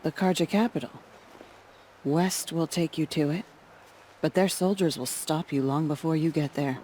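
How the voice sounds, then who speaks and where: A woman acting as a seasoned tribal warrior leader in a video game, speaking in a frank, grave, measured way. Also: sits low, dark tone, natural voice, poor audio. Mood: appraising. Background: faint ambient noise.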